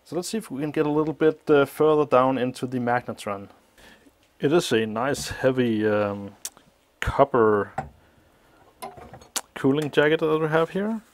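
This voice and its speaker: At a workshop bench, an electronics teardown host walks through taking apart an old appliance, thinking aloud with many pauses. His mid-range voice is slightly muffled by a mask as he gives this hands-on technical explanation.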